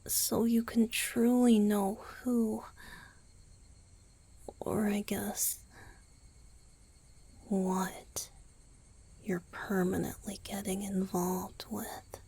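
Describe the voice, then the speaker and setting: A woman voicing a gentle, youthful male vampire boyfriend in a romantic ASMR roleplay, soft and hesitant. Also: medium pitch, little pitch movement, very slow, long pauses, heavily acted. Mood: wistful, confessional. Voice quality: soft, breathy, husky. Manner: hesitant, tender, sighing delivery.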